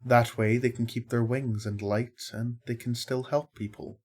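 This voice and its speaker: A man playing a calm, kindly healer angel in an audio drama, with a reasonable, diplomatic way of talking. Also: mid-range voice, moderate pace, lightly acted. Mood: calm, persuasive.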